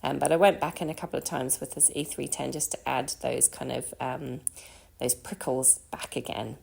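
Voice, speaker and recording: A woman with a croaky voice from a cold, chatting casually through a card-making voice-over with frequent ums. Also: rumbling low, little pitch movement, normal speed, a little mellow.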